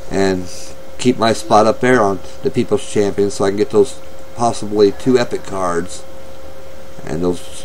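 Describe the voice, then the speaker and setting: A man's voice: sits low, noisy background. A man in his thirties with a stuffy nose from a cold, rambling through casual commentary on a mobile card game with many ums and uhs.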